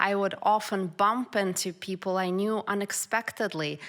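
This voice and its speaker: A woman speaks with a Russian accent and fairly even intonation. The recording is very clean, with a silent background. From Russia, Moscow. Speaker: storyteller. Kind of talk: live storytelling.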